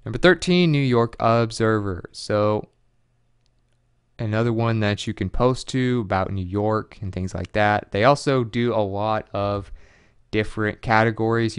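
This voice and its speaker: Tutorial host, male, clear, dry close-mic sound, loose, chatty delivery with fillers. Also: on the low side, no echo. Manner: loose and conversational, frequent fillers, reads out web addresses. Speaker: online money tutorial presenter. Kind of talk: casual screen-share walkthrough.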